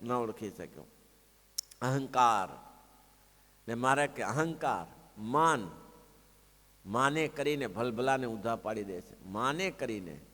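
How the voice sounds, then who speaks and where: A man with a Gujarati accent giving a sermon, telling a story and acting out its voices with swings in pitch. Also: expressive, slow pace, long pauses, bright, forceful tone. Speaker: preacher giving scripture discourse. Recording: long hall reverb.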